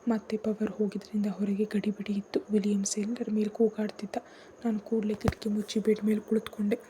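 A woman reading a first-person romance story in a soft, half-whispered, intimate way. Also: medium pitch, a little hiss or hum.

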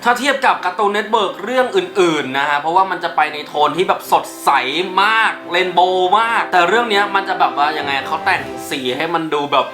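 A man's voice: sits high, expressive, quick pace, hardly any pauses, pushed and bright. Casual male vlogger in a roomy, echoey space. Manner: mixes English words into Thai. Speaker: YouTube host counting down favourite cartoons. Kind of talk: casual commentary. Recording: roomy echo, music behind. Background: background music.

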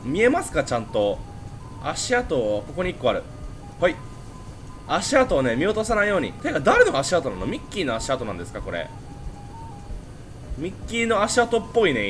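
A man's voice: on the high side, a bit bright. A young man, chatting animatedly to viewers while playing a horror game. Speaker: gaming channel host. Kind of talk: horror game let's play commentary.

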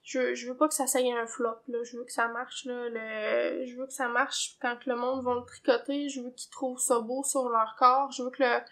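High-voiced chatty Québécoise woman. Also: little pitch movement, normal speed, hardly any pauses, fairly bright tone. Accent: Québécois French. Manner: chatty, many fillers and hedging tags. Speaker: knitting podcast host. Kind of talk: casual chat. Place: home, indoors.

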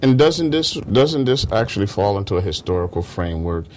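A man interviewing in a conversational way, speaking in measured, articulate phrases and encouraging his guest. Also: lowish voice, very animated, darkish tone.

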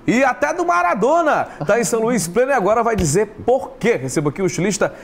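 A young man hosting a TV talk show from a studio desk, wearing a lapel mic, lively and joking as he introduces and questions his guest. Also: very high voice, fast talker, gravelly, slight background noise. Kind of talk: TV interview hosting. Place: TV studio set, behind a desk.

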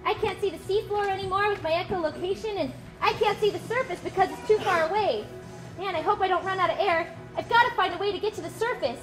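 A woman's voice: extremely high pitch, fast, soft background music, rough recording. A woman puppeteer voicing a lost, eager young whale in a live puppet show. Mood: worried. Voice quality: bright, excitable. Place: stage in a hall.

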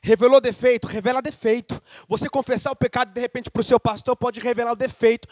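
A man preaching a lively sermon, speaking straight to his congregation. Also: very high voice, quick pace, no room sound, studio quality.

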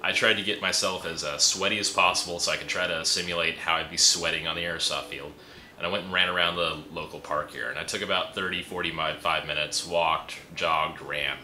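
In a deep, steady voice that's pushed and bright, a young man talks a little fast into a camera for a casual product review. He's easygoing and chatty with frequent fillers, recording in a room with a pegboard wall that has a roomy echo and slight background noise.

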